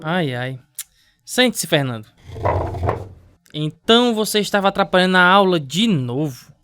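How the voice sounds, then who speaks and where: An actor in a radio drama playing a patient, long-suffering school principal with a measured, admonishing yet kindly manner. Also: male voice, high voice, animated, music in the background. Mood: weary, admonishing.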